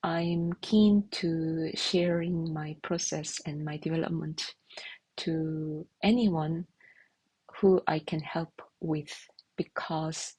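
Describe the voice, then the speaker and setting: A woman in her thirties whose first language is Korean, a software engineer talking through her development process in a halting, hesitant way. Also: sits low, steady tone, husky, dry recording, poor audio. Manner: hesitant, halting, restarts often. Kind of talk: casual devlog narration.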